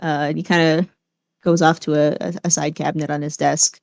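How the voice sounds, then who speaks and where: A woman's voice: sits low, level tone, brisk, creaky, darkish tone, no echo, clean studio sound. An American woman improvising narration as game master in a casual, hesitant, conversational way.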